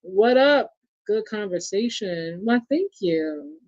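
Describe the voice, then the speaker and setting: A man's voice: high voice, expressive, slow, a little mellow, dry recording. Man, New York accent, chatty sports-show host, reads viewer comments; dry, lo-fi audio. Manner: chatty, addresses the audience as y'all and reads viewer comments aloud. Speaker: podcast host. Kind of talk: casual sports chat. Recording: dull lo-fi sound.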